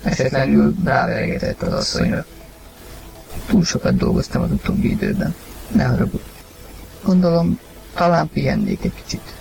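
Gravelly man reading a story. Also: a little high, expressive, long pauses, slight background noise. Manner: acted, rising to shouts in heated lines. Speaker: narrator and reader of the husband's lines. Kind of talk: dramatized audiobook reading.

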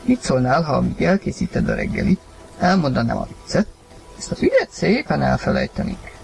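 A man reading a story aloud, narrating and acting the husband's lines with sudden loud outbursts. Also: mid-range voice, huge pitch swings, gravelly, faint music behind. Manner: acted, rising to shouts in heated lines. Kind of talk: dramatized audiobook reading.

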